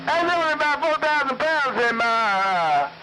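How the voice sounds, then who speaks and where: A man's voice: very high-pitched, sing-song, moderate pace, over loud music, rough recording. A man chatting over CB radio in a laid-back, slangy way. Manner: laid-back and slangy, laughing between calls. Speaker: CB radio operator. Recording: CB radio buried in loud static.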